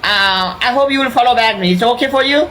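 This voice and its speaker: A man from Nepal on a live video chat, talking in broken, repetitive English and getting excited. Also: very high voice, quick pace, slight background noise, low-quality recording. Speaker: livestream guest.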